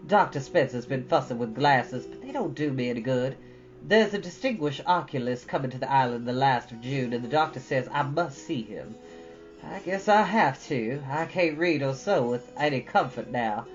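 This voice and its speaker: A woman's voice: very deep voice, lively intonation, normal speed, highs cut off, soft background music. A woman voicing a plain-spoken, stern but caring older country woman in a folksy, matter-of-fact storybook reading. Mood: weary.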